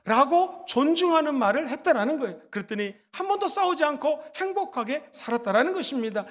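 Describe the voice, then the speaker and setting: A very high-pitched man preaches a sermon in a church sanctuary. He slips into animated voices when acting out quoted lines. His voice rings out with long hall reverb. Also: a little fast. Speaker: pastor.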